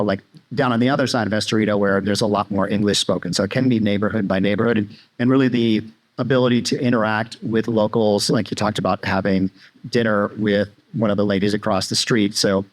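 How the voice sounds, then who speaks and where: A man's voice: lowish voice, poor audio. Conversational man hosting a video. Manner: conversational, guides the viewer, filler-heavy. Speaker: host of a channel about retiring in Mexico. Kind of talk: casual narration to viewers.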